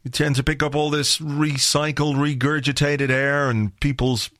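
An Irish man hosting a podcast, chatting casually in a rambling, wry way with a slightly croaky voice. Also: on the high side, flat delivery, moderate pace, fairly bright tone, no room sound, clean studio sound. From Ireland. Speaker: podcast host. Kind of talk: casual solo podcast chat.

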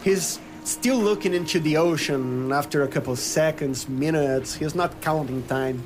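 A man improvising his character's story as a player in a tabletop role-playing game, halting as he searches for words. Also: on the high side. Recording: clear background noise.

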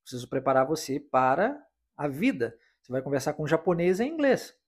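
Man, English teacher, a touch high-pitched, patient explaining, drills phrases. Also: sing-song, a little fast, husky. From Brazil. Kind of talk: podcast language lesson.

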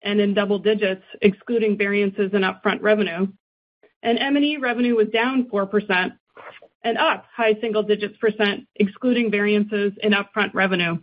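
A woman finance executive reading a scripted earnings presentation in a formal, measured way. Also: mid-range voice, steady tone. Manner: formal, measured business delivery. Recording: dull, band-limited conference call audio.

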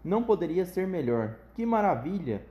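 A man voicing an excitable, eccentric male factory owner who bursts with giddy exclamations while reading a story aloud. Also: high-pitched, moderate pace, echoey room, highs cut off, voice pushed up. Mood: excited.

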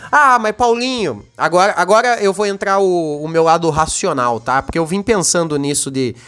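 A man's voice: sits high, moderate pace, fairly bright tone, faint music behind. A young Brazilian man hosting a casual solo podcast, talking in a heated, slangy way and repeating himself as he gets worked up. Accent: Brazilian Portuguese. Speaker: podcast host.

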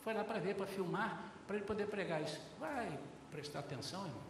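An older man with a Brazilian Portuguese accent, preaching a sermon as a pastor, lively and acting out conversations while calling the congregation brothers. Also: high voice, brisk, noisy background. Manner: lively, acts out dialogues, often addresses the congregation as brothers. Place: large church hall. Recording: very echoey hall, heard from far off.

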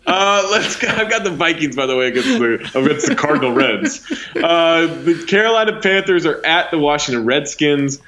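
A man's voice: on the high side, animated, normal speed, bright, forceful tone, low-quality recording. A man co-hosting a casual sports podcast, ranting and exasperated, swearing now and then. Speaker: podcast co-host.

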